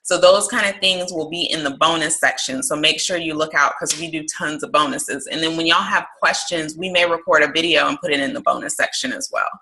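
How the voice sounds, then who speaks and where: A woman's voice: low-pitched, fairly quick, hardly any pauses, sharp tone, slight background noise, rough recording. A woman hosting a crystal course conference call, chatty and encouraging. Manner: chatty, encouraging, uses y'all. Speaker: course host. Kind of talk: casual group conference call. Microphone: phone or computer call.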